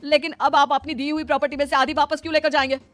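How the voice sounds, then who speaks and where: A woman's voice: sits high, little pitch movement, rapid-fire, a bit bright, faint music behind. A woman voicing a greedy young husband in a cartoon, speaking in a complaining, indignant way.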